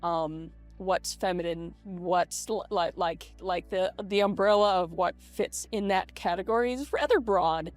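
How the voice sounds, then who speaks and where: A woman talking casually and haltingly in a personal vlog, reflecting as she goes, her voice processed by a voice changer to sound more feminine. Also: on the low side. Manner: hesitant, halting, self-reflective. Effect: voice changer making the voice feminine. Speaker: vlogger. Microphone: webcam setup. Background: lo-fi video game music.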